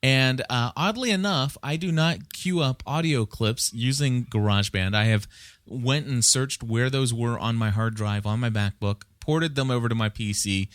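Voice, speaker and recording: A man's voice: lowish voice, no room sound, studio quality. A man hosting a podcast, explaining things in a casual, conversational way with frequent asides. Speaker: podcast host.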